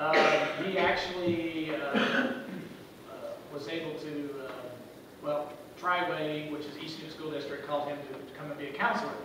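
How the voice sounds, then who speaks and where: The speaker keeps a moderate pace with long, frequent pauses. Strong room echo and noticeable background noise fill the recording. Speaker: pharmacist and coalition organizer. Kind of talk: meeting introduction. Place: hall. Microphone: camera far.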